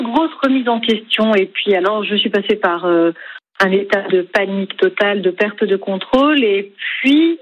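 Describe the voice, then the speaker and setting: A woman's voice: medium pitch, lo-fi sound, a little hiss or hum. A woman singer and storyteller giving a radio interview, speaking hesitantly with many fillers and restarts. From Lebanese heritage.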